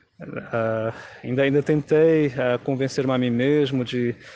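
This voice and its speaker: A man's medium-pitched voice at a very slow pace with fairly even intonation, over noticeable background noise. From Portugal. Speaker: hospital doctor. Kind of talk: interview testimony. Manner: halting, hesitant.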